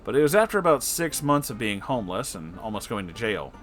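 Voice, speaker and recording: Expressive man narrating over music. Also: on the low side, fairly quick. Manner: expressive, casual, profane. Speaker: online story narrator. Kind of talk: dramatic story reading with personal reactions. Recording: music behind the voice. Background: background music.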